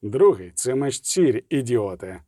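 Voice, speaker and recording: A man's voice: medium pitch, sing-song, moderate pace, warm tone, no room sound. A man voicing a grim middle-aged male witcher who speaks curt and dry. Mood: scolding.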